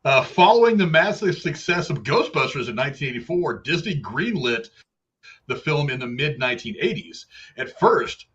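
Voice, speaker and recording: A man's voice: a little high, fairly bright tone, highs cut off. A man co-hosting a casual movie review podcast, rambling and repeating himself as he talks and reads trivia. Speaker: podcast co-host.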